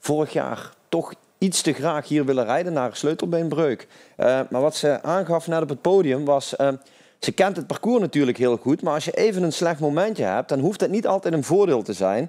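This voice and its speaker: Against a quiet background, a man with a fairly high pitch and a dark, mellow tone speaks at a moderate pace with lively intonation. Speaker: former pro cyclist, pundit. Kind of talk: live commentary. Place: studio. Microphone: lapel.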